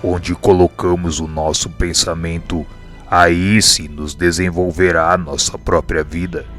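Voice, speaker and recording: A man playing a wise, grave spirit mentor in a radio drama, speaking in a measured, didactic way. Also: low-pitched, little pitch movement, music in the background. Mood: grave, instructive. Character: wise, grave male spirit mentor teaching his pupil.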